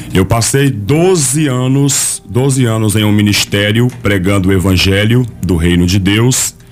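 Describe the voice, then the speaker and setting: With music in the background, a man speaks at a fairly low pitch using ordinary pitch variation. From Maranhão, Brazil (Balsas, south). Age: 30s. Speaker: pastor. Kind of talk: radio interview. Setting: radio studio.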